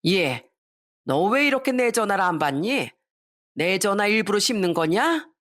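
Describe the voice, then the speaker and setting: A woman's voice: mid-range voice, sing-song, a little slow, a bit bright. A woman voicing a domineering middle-aged mother-in-law who scolds in a bossy way. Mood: scolding.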